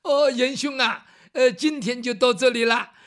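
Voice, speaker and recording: A storyteller voicing a cheerful, shameless young man who talks breezily and loudly. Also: sits high, big pitch swings, unhurried, heavily acted. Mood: breezy.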